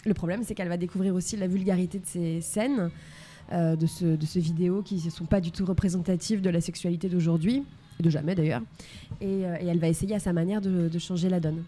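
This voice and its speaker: A woman, an actress and guest on a radio show, pitching her play fluently. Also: steady tone, quick pace, warm tone, a little hiss or hum.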